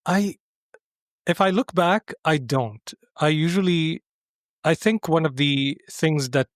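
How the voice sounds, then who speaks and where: A man's voice: on the high side, slow pace, no echo, clean studio sound. A man from Syria speaking as a podcast guest, explaining his thinking in a conversational interview.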